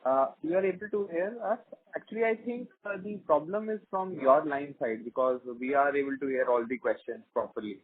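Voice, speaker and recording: A man's voice: on the high side, brisk. Man on a phone line. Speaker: financial analyst. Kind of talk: earnings call talk. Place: conference phone call.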